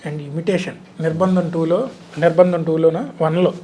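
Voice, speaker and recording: A man's voice: on the high side, steady tone, normal speed, warm tone. A male interviewer asking probing, persistent questions in a casual interview. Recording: faint background noise.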